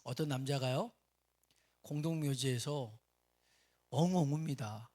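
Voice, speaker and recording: A middle-aged man preaching a sermon as pastor, telling stories in a lively way and acting out the people in them. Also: mid-range voice, measured pace. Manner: lively storytelling, acting out characters. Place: church sanctuary.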